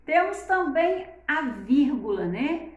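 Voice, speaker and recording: Slow, high-voiced woman teaching. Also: very animated, echoey room, lo-fi sound. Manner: exaggerates intonation in examples, frequent "né?" tags. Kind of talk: slow, deliberate classroom explanation.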